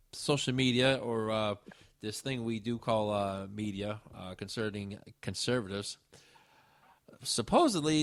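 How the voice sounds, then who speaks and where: A man's voice: mid-range voice, dry recording, studio quality. A man hosting a talk radio show, wry and rambling with frequent filler sounds.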